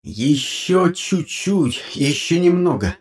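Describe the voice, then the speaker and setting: A man voicing an anxious, excitable male shipmate who talks with urgency. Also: high-pitched, normal speed, slightly rough, pitched above the performer's own voice, heavily acted. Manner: urgent, fretful.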